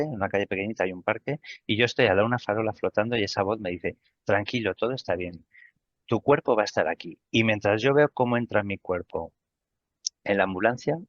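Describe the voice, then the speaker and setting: A middle-aged man with a Spain Spanish accent tells his story in an interview, with a fairly low voice. He acts out the remembered lines as he goes. The sound is dry and a little muffled. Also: a bit bright, no echo. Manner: vivid retelling that acts out remembered dialogue. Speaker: interview guest.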